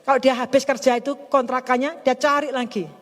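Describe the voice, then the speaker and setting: A woman's voice: high-pitched, a little fast. Chatty woman pastor in reverberant hall. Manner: chatty, animated, laughs often. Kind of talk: storytelling sermon. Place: church service in a hotel hall.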